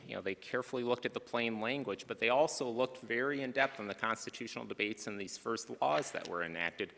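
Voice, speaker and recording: Courtroom attorney, low-voiced and forceful, measured delivery in a reverberant courtroom. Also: male voice, slight background noise. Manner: measured, frequent "you know". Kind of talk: courtroom oral argument. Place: large courtroom.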